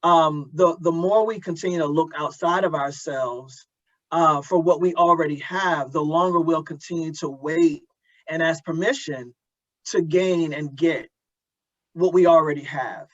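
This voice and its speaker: A man hosting a conversation, speaking earnestly and reflectively, haltingly repeating words as he builds his point. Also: fairly high pitch, a bit bright. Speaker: interviewer and host of an audio drama community event. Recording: dull lo-fi audio.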